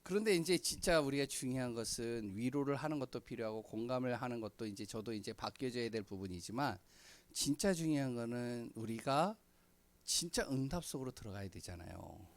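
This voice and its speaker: A middle-aged man preaching a sermon in a church, speaking conversationally with many fillers and frequent throat clearing. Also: medium pitch, expressive, brisk. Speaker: pastor. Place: church sanctuary.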